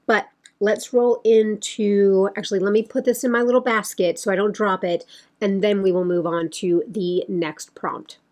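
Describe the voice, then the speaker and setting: A young woman talks through her makeup in a loose, rambling way, full of fillers and asides. Her voice is a little worn, as if it is starting to go. Her pitch sits in a middle range. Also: steady tone, moderate pace, a little mellow. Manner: chatty, rambling, with many fillers. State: slightly losing her voice. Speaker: beauty vlogger. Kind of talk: casual chat.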